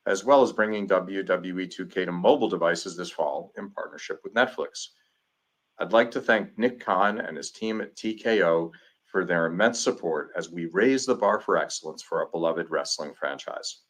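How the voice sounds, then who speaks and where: A man speaking as a company executive, reading a scripted earnings presentation in a formal, measured manner. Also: sits low, fairly bright tone. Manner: formal, measured prepared delivery.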